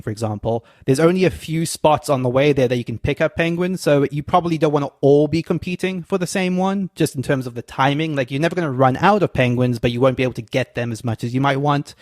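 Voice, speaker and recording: Male podcast co-host, slightly high voice, easygoing, chatty and ponderous. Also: dry recording, clean studio sound. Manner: relaxed, thinks aloud with fillers and quick laughs. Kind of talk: casual board game chat.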